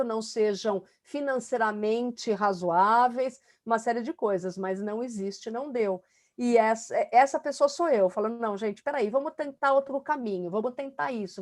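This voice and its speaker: A woman's voice: on the high side, a little mellow. A middle-aged woman talking in a casual interview, emphatic and talkative, with many fillers. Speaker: student being coached.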